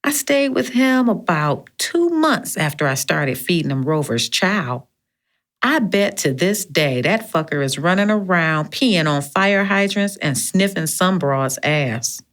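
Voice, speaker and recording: Woman doing a sassy trash-talking girlfriend, lowish voice, bounces all over the place. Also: lively intonation, unhurried, fairly bright tone. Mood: mocking, bawdy. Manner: bawdy, swearing, sassy storyteller. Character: sassy, brash woman friend, bandmate. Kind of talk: audiobook character reading.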